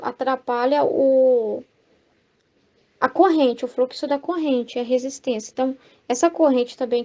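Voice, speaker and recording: Husky-edged Brazilian woman teaching scripture. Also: high voice, warm tone. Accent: Brazilian Portuguese. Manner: conversational, frequent "né?" tags, reads passages aloud. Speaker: Bible study teacher. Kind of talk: Catholic devotional study talk.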